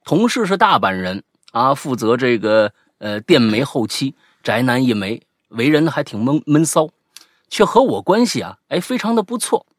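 A man co-hosting a casual podcast, reading out a listener's ghost story with lively asides and banter. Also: medium pitch, normal speed, no echo, clean studio sound. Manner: lively, animated retelling with asides.

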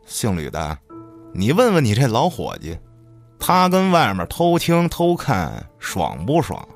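A man's voice: medium pitch, wildly swooping pitch, a little slow, creaky, soft background music, full character voice. An actor playing a hot-tempered, suspicious village tough in a Chinese radio drama, cursing coarsely as he accuses and taunts. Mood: taunting, scornful.

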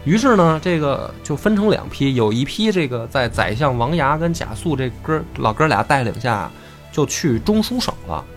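A man's voice: medium pitch, very animated, normal speed, faint music behind. A man with a Beijing accent casually telling history, swearing often and acting out the dialogue himself. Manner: swearing, slangy, acts out dialogue. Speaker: podcast host.

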